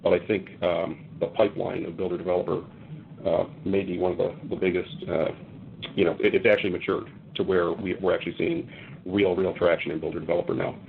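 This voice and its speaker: A man with a deep voice speaks quickly as a company executive on a conference call. He explains haltingly, repeating words as he goes. The sound is thin and phone-like, with a faint rumble behind it. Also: flat delivery, gravelly. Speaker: company executive answering analysts. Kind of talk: earnings call answers.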